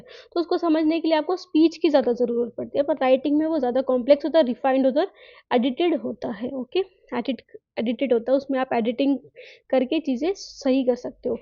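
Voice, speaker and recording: A woman teacher gives a recorded lecture, mixing Hindi and English, reading points slowly and then explaining them in a chatty way with frequent tag questions. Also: high voice. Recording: dull lo-fi recording.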